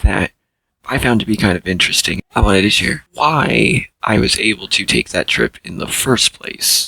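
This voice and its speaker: A man speaks quietly at a medium pitch, his tone bright and sharp. His pitch swings very widely, with some vocal fry. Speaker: YouTuber. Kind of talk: casual vlog.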